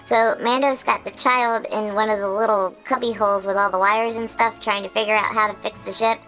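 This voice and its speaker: A woman voicing an excitable, childlike male creature who hosts a chatty episode recap, bubbly and full of giggles and squeals. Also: mid-range voice, brisk, soft background music, lightly acted, poor audio. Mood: excited recap. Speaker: recap host.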